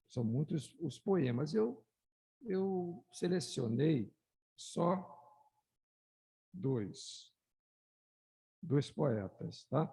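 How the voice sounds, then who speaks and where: A man with a Brazilian Portuguese accent giving a slow, explanatory lecture, raising his voice to recite verses. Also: vocal fry, warm tone, husky. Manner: slow, explanatory, rises in pitch and volume when reciting verses. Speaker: lecturer at a spiritist study talk. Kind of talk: lecture with poetry readings. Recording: echoey hall with long reverb.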